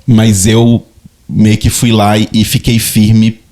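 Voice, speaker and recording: Slow and lowish, with little pitch movement and a darkish tone, the voice belongs to a thirty-something Brazilian man co-hosting a podcast. In this casual chat he is reflective and hesitant, repeating words often as he looks for what to say.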